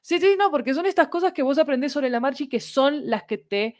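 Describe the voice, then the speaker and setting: A woman's voice: high-pitched, expressive, brisk. A woman with a Latin American Spanish accent talks casually on a podcast, explaining things and checking in with little tag questions. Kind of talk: casual conversational podcast talk.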